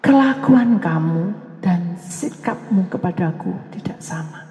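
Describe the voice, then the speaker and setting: A woman pastor voicing God, speaking slowly and solemnly in a lower voice. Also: animated, dark tone, reverberant, in a large hall. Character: God speaking, calm commanding rebuke.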